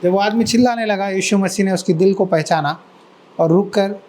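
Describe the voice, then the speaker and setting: A male pastor giving a sermon, telling a story with lively acted-out voices and asking the listeners questions. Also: sits high, normal speed, rough recording. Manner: asks the listeners questions and answers them.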